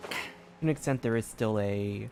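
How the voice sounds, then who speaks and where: Casual, musing streamer with a middling-low voice. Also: normal speed, over music. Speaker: streamer playing and commenting on a video game. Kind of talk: casual gameplay commentary.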